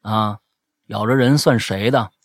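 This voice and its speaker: A man hosting a casual chat show, telling stories in an animated, emphatic way. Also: lowish voice, unhurried, no room sound.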